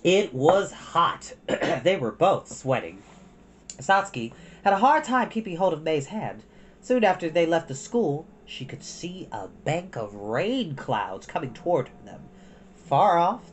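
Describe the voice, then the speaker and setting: A woman with a low voice narrates a children's book. Her pitch moves freely as she reads expressively, and there is faint noise behind her. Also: expressive, unhurried. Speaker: storytime reader.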